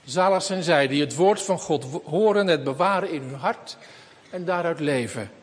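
A male pastor giving a sermon and reading scripture solemnly and deliberately in a church. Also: fairly high pitch, big-room sound.

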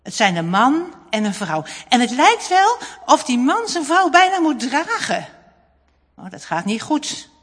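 A woman narrating a children's storybook in an expressive, dramatic reading. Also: high voice, unhurried. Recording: long hall reverb.

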